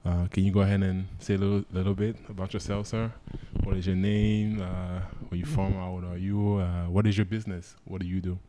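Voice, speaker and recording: A man hosting a casual interview podcast, talking in a relaxed way and dropping little words. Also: low voice, fairly quick, hardly any pauses, noisy background. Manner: relaxed, drops verbs in casual speech. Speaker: podcast host.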